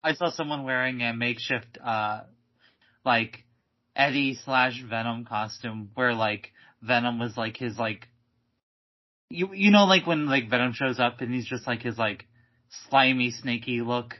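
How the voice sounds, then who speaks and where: A male podcast co-host with a medium-pitched voice chats casually at a measured pace, sounding hesitant and full of likes and restarts. The audio is dull and lo-fi.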